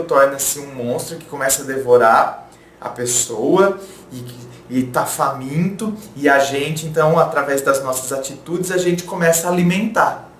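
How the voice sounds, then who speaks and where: A man from the of São gives relationship advice in a calm, measured way. His voice sits slightly high for a man. It was recorded in a roomy space with a faint hiss behind it. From interior of São Paulo, Brazil. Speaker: relationship advice channel host. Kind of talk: advice talk, reading viewer letters aloud. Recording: roomy echo, faint background noise.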